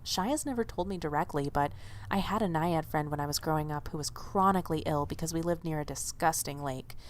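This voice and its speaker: Actress as earnest young waitress in an audio drama, kinda low voice, expressive, bit of noise behind her. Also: brisk, lightly acted. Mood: casual explaining. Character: Lizzie, earnest young woman, loyal diner waitress.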